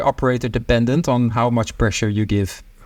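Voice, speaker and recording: A man speaks with a Dutch accent. His pitch rises and falls in an ordinary way. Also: very clean recording, silent background. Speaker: physiotherapist and ultrasound teacher. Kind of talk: podcast interview. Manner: hesitant, many fillers.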